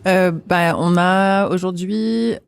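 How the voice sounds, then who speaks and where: A woman's voice: on the low side, fairly even intonation, slow pace, vocal fry, smooth. A woman with a Québécois accent, a restaurant co-founder, talking casually in an interview with many fillers. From Quebec. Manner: easygoing, frequent fillers, light laughs.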